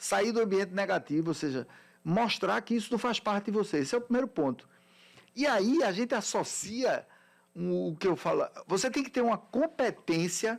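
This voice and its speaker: This man's voice sits high, with lively intonation and very even loudness. He leaves long, frequent pauses. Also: very clean recording, silent background. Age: 60s. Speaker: business consultant. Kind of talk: radio interview.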